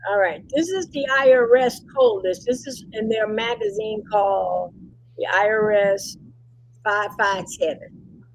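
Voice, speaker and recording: Speaking unhurriedly in a gravelly, medium-pitched voice, a Cleveland presenter teaches about nonprofits in a casual online webinar. She restates ideas and frequently checks in with listeners. The rough recording carries faint background noise from the call.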